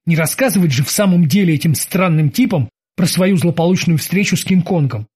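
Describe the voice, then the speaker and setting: An expressive audiobook narrator reading a chapter aloud. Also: medium pitch, a little fast, breathy edge.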